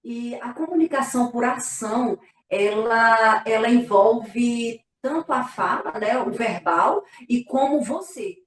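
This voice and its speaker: A female pastor explains in an earnest way, often ending phrases with a quick tag question. Her voice sits somewhat high. She sounds set back from the mic in a room with a clear echo. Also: expressive, recorded from a distance. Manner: earnest, explanatory, frequent "né?" tags. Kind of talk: casual church live talk. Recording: echoey room, voice from afar.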